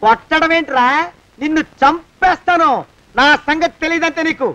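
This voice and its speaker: A man's voice: very high-pitched, moderate pace, rough recording. A man playing a scheming servant who blackmails his master, nagging him with the same question again and again in a film comedy scene. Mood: scolding. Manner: nagging, keeps pestering with a repeated question.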